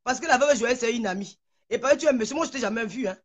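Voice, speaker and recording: A woman's voice: a little high, fast, slightly rough. A woman in a heated online video rant, furious and shaking with anger, hurling insults and stammering over repeated words. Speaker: social media personality.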